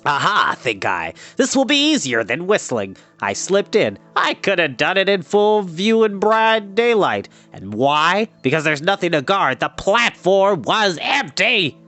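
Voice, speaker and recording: A man's voice: high-pitched, sing-song, measured pace, few pauses, sharp tone, faint music behind, pitched above the performer's own voice, exaggerated voice. A man voicing a grumpy, short-tempered dwarf who snaps and grumbles. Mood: snappish. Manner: snappish, gruff.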